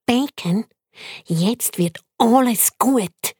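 A woman with a Swiss German accent voicing an excitable male guinea pig in a very high, squeaky voice for a storybook. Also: extremely slow, slightly rough, no echo, clean studio sound, exaggerated voice. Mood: excited. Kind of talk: storybook character voice.

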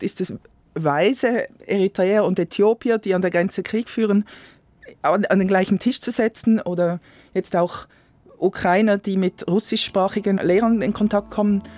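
A man, answering interview questions in a hesitant, reflective way and often trailing off softly. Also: high voice. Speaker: guest, volunteer program coordinator. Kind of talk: interview conversation.

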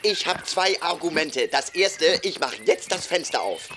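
A man's voice: on the high side, animated, moderate pace, background noise, close to an everyday voice. A man in a radio drama, reporting facts in a dry, matter-of-fact way to a colleague. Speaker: colleague on the phone.

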